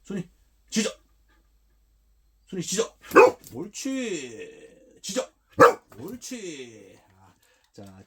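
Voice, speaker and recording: A man working as a dog trainer, demonstrating training, who mixes short firm commands with calm explanations indoors. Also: medium pitch, slight background noise. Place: indoors, a room.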